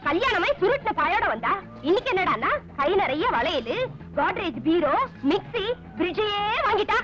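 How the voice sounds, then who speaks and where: An actress playing a sharp-tongued wife who scolds her policeman husband, on a dull old film soundtrack. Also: very animated, moderate pace, music in the background. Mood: scolding. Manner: shrill, scolding. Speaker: quarrelling wife. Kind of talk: Tamil film comedy acting.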